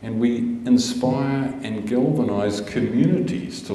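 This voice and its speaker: A man with a New Zealand accent speaks at a very slow pace with ordinary pitch variation, over light background noise and audible room echo. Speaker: conservation scientist, professor. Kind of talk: lecture. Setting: stage with audience. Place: hall. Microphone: podium.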